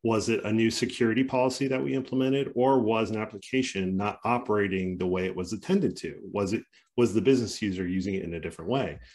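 A man's voice: fairly low pitch, fast, darkish tone. A man speaking as a panelist over a video call, earnest and giving practical examples. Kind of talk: webinar panel discussion.

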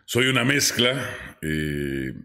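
A man's voice: takes it slowly, vocal fry. A man in his forties with a Mexico City accent, a sports commentator guest talking animatedly at a desk mic in a small studio. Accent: Mexico City Spanish. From born in Guatemala, raised in Mexico City. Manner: animated, booming exclamations. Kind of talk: casual interview chat.

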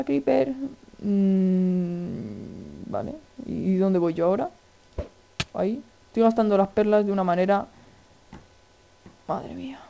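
A man with a Spain Spanish accent giving casual, excitable gameplay commentary, chatty and full of exclamations. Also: high voice, creaky. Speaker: gaming video host.

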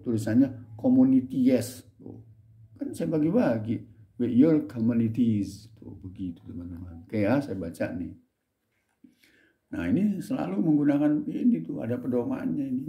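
A man from Indonesia, teaching English in a casual, emphatic lesson and reading example dialogues slowly. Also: mid-range voice, highs cut off.

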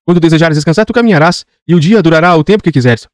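A man's voice: fairly high pitch, rapid-fire, no room sound, clean studio sound, pitched above the performer's own voice, close to an everyday voice. A man doing a curious little prince boy. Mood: gentle. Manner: earnest, insistent questioning.

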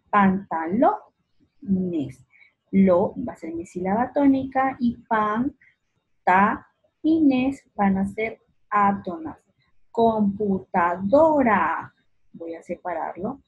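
A woman teaching a remote lesson to young children, slowly stretching out words syllable by syllable and speaking affectionately to the child. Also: medium pitch, husky, narrow, tinny audio. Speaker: primary school teacher.

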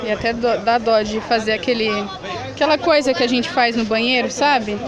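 A woman's voice: on the high side, fairly even intonation, normal speed. A young woman from Brazil chatting enthusiastically to viewers while showing products in a shop. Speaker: shopping vlogger. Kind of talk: casual vlog, showing products. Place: indoors at a busy market shop. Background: crowd chatter.

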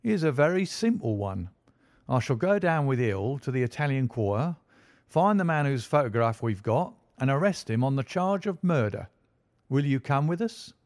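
A man's voice: medium pitch, very animated, normal speed, a little mellow, no echo, studio quality, pitched above the performer's own voice. A man reading aloud and voicing a brash, self-satisfied police inspector who boasts and insists on his own theory. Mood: dismissive.

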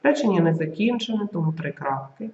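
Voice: mid-range voice, lively intonation, a little fast, darkish tone. Teacher voice in an echoey room. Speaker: language teacher. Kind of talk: scripted video lesson narration. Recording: echoey room, dull lo-fi recording.

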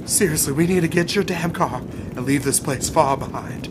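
A man's voice: normal speed, close to an everyday voice. An actor playing an alarmed, superstitious male companion in an audio drama, urgent and pleading in a colloquial way. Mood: fearful warning. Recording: rumbling background noise.

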